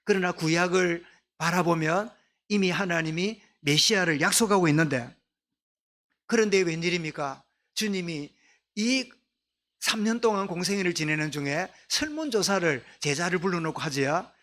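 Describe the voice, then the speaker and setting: A middle-aged pastor from Gyeongsang with a Gyeongsang Korean accent, preaching a sermon in a soft-spoken way and drawing his congregation into responses. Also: high-pitched, lively intonation, moderate pace. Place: church sanctuary.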